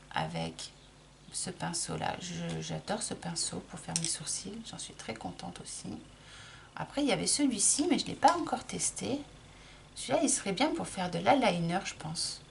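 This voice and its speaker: Relaxed and talkative, this makeup vlogger, a middle-aged woman, walks through her routine while applying it, often breaking off and restarting sentences amid fillers. She speaks at medium pitch and a normal speed, with a light gravelly edge. Faint hiss and some room ambience sit in the background.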